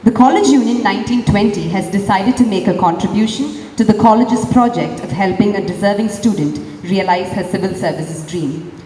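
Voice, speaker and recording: Female ceremony anchor, warm low-key voice, formal measured delivery, recorded at a distance in a reverberant hall. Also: slight background noise. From India. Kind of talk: formal stage announcement. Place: large hall. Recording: echoey hall, distant mic, faint ambience.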